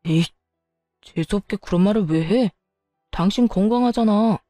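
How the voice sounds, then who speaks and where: A selfish husband in a storybook-style revenge tale, read by a woman narrator. He brushes people off and lectures in clipped lines. The voice stays mellow and dry, with faint music underneath. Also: mid-range voice, moderate pace, dry recording, close to an everyday voice. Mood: irritated. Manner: curt, lecturing and dismissive. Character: stingy selfish young husband, cold and dismissive.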